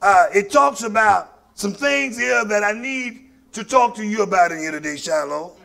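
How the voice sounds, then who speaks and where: Delivering a call-and-response sermon to his congregation, this Mississippi preacher speaks Southern African American English in a high-pitched, gravelly, sharp-toned voice. He is animated and keeps a normal pace, folksy and emphatic, repeating phrases for effect.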